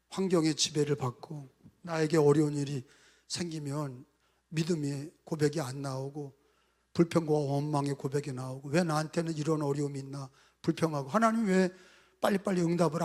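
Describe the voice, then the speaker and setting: A man's voice: on the high side, long reverb tail. A man preaching a sermon as pastor, impassioned, leading the congregation in repeating phrases after him. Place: church sanctuary.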